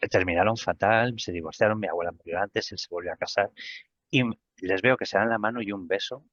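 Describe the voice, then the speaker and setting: A man's voice: on the low side, a little fast, fairly bright tone, no room sound, highs cut off. A middle-aged man with a Spain Spanish accent, retelling a personal experience as an interview guest and acting out the remembered dialogue.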